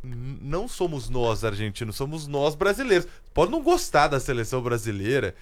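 A man's voice: medium pitch, very animated, brisk. A man commenting on air in a studio discussion, emphatic and opinionated.

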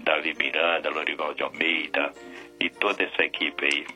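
Bright, forceful mature Brazilian man. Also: very deep voice, little pitch movement, moderate pace. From Bahia, Brazil. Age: middle-aged or older. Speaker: caller to a radio prayer show. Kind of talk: casual phone-in chat. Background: music bed.

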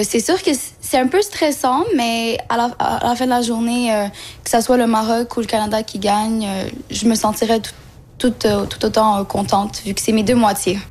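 A woman's voice: on the high side, a little mellow. Hesitant young woman. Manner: hesitant, halting, many fillers. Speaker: interviewed sports fan. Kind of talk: casual vox pop.

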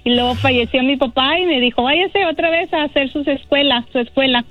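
Chatty high-voiced woman on a phone line. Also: fairly quick, no echo. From Mexico. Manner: chatty, laughs easily. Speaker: guest, bridal shop owner. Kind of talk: phone-in radio interview.

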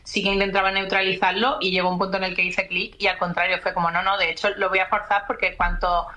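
A woman's voice: medium pitch, level tone, quick pace, sharp tone, poor audio. A young woman with an Andalusian accent, a guest chatting casually and thinking aloud. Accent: Andalusian Spanish. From Andalusia, Spain. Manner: reflective, thinks aloud with fillers. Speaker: guest, screenwriter and podcaster. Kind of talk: casual radio chat.

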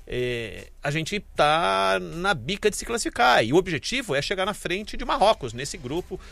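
A man hosting a live radio sports program, with a medium-pitched, conversational voice. He chats loosely and calls on his reporters by name. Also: gravelly, fairly bright tone.

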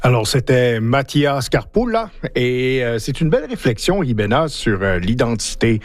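A man's voice: mid-range voice, big pitch swings, moderate pace, dry recording. A man hosting a morning radio show, introducing guests casually with hesitant fillers. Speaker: radio host.

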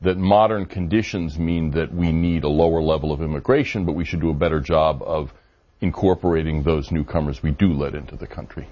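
A man with a very deep voice answers interview questions steadily, pausing on fillers as he thinks. The audio is a little dull, like broadcast TV sound. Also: steady tone, mellow. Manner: measured, hedging with fillers. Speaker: think tank director, guest.

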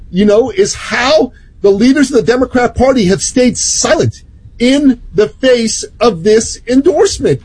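A woman's voice: mid-range voice, warm tone, slightly rough, no room sound, low-quality recording. A woman from Iran, a guest commentator making emphatic, indignant political points. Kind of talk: political talk.

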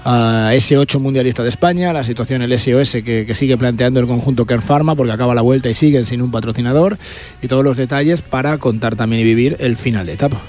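A man gives a live radio report on a cycling race, running through riders and gaps in fluent detail. His voice sits at a middle pitch for a man. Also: quick pace, a little mellow.

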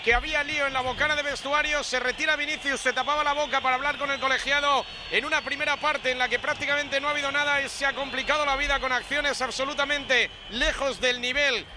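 A man commenting live from a football ground, emphatic and pointed. His voice is very high and quick. The line carries clear stadium noise behind him. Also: steady tone.

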